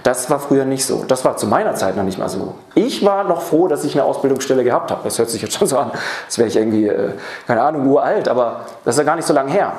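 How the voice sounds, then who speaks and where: A man's voice: medium pitch, animated, quick pace, darkish tone. A man speaks to a seminar audience about training apprentices, addressing them directly and often posing questions. His voice sits in the middle range. The recording carries the echoey sound of a lecture room. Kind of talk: seminar talk to a live audience. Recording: roomy hall sound.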